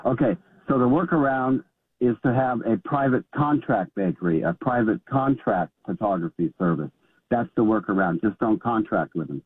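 A man from California calling in to a talk radio show, explaining his point haltingly with many restarts. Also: mid-range voice, slightly rough, dry recording. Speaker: caller. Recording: phone line.

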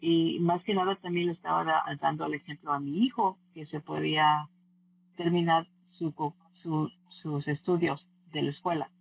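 Gravelly woman on a dry phone line. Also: low-pitched, steady tone, moderate pace. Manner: earnest, with hesitant restarts. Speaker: former scholarship recipient guest. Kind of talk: casual personal story in an interview.

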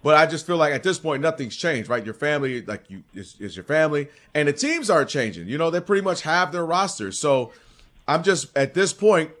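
A man hosting a sports radio show, talking in excitable banter full of stumbling restarts. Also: fairly high pitch, brisk. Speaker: radio host.

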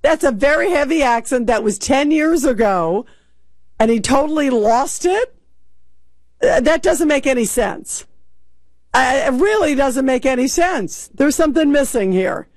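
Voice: high-pitched, expressive, unhurried, no room sound. A talk radio host commenting emphatically and sounding incredulous, taking calls.

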